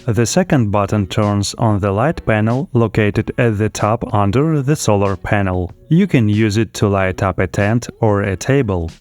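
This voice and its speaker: A man's voice: on the low side, animated, moderate pace, hardly any pauses, darkish tone, soft background music. A man reading scripted voice-over narration as a product reviewer. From lives in Spain.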